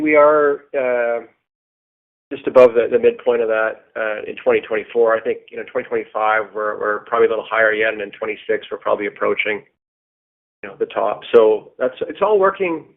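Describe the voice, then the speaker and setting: A man, a company executive, giving conversational business answers in short, halting phrases. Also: mid-range voice. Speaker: company executive on an earnings call. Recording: dull band-limited conference call audio.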